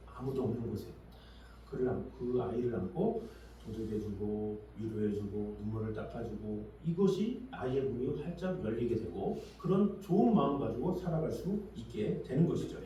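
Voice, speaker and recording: A man's voice: a little high, mellow, a little hiss or hum. A male pastor preaching a Sunday sermon, asking the congregation questions and acting out quoted voices. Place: church sanctuary. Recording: echoey church hall, distant mic.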